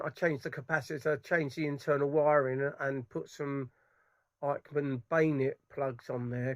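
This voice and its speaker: A man's voice: medium pitch, no echo. Enthusiastic man, dry close sound. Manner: rambling, enthusiastic, many restarts. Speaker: audio hobbyist vlogger. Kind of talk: casual product impressions. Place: dark room at home.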